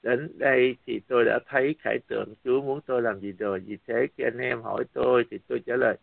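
A man preaching a sermon as lively storytelling, acting out the dialogue of the story. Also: medium pitch, fast, creaky, no room sound. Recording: dry, tinny phone-like sound.

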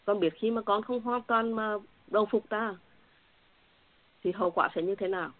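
A woman's voice: mid-range voice, normal speed, no room sound. A woman sharing an earnest, somewhat repetitive faith testimony with fellow believers, heard over a tinny phone-like line. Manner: earnest, repetitive, emotional at times. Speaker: church member sharing testimony.

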